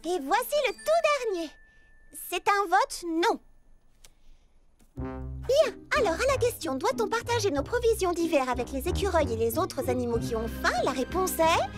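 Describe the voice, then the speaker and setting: Super high little girl cartoon voice, cheery n earnest, music playing behind. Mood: announcing. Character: cheerful, kind-hearted little girl, a natural leader. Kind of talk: animated children's cartoon dub.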